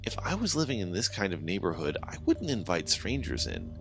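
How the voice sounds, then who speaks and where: A deep-voiced man narrating a first-person horror tale, his delivery rising and falling with lively swings. It is scripted, dramatic storytelling, with faint music playing underneath. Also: fairly quick, vocal fry.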